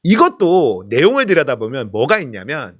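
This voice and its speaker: A man giving a heated political commentary monologue, scolding and sarcastic, swinging from loud exhortation to muttered asides. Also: mid-range voice, huge pitch swings, normal speed.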